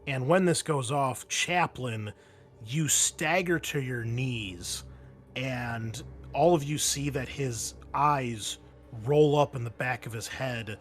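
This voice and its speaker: A man working as game master, narrating a tabletop roleplaying game in a halting, conversational way. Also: medium pitch, a bit bright.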